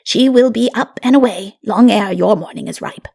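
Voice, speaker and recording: A woman's voice: mid-range voice, moderate pace, vocal fry, a little mellow. A woman voicing a solemn, patient, fatherly old patriarch in a fantasy audiobook, with grave, assured pronouncements. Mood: grave, reassuring.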